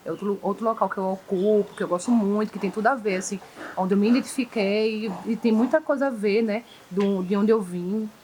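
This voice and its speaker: A young woman from the Recife area speaks with a Pernambuco accent, pausing and restarting as she reflects on her roots. Her pitch sits in an ordinary middle range. A faint hiss runs under the recording. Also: a little mellow, rough recording. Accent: Pernambuco Portuguese. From Recife area, Brazil. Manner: thoughtful, many restarts and "né". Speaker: graffiti artist guest. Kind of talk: casual interview answers. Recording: faint background noise.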